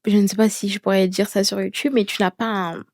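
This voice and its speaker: A woman vlogger talking to camera, giving speaking tips slowly and deliberately, with pauses she lets stand. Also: medium pitch, level tone, darkish tone, no room sound, clean studio sound. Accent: an accent of her own that people ask about. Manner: slow, deliberate, with chosen pauses. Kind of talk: casual talking-head advice. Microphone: camera mic, speaking to camera.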